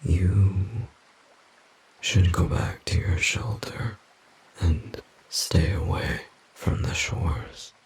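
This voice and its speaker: A man playing a grave, protective yet naively curious forest demon in an audio roleplay, speaking formally and haltingly with a breathy, gravelly rasp. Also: low voice, in a whisper, exaggerated voice, poor audio. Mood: stern, pensive. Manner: slow, formal, halting, pensive.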